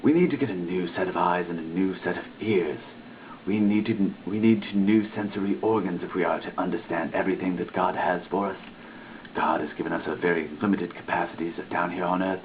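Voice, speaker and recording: A man giving a dramatic reading of a written text, with a theatrical, emphatic delivery. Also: low-pitched. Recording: tinny lo-fi recording with faint hiss.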